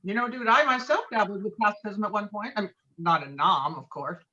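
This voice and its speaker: A woman's voice: medium pitch, brisk, pushed and bright, lo-fi sound, natural voice. A woman acting a belligerent, rule-obsessed middle-aged male bowler in a script read, emphatic, self-righteous and foul-mouthed. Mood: smug. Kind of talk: acted table read of a film script.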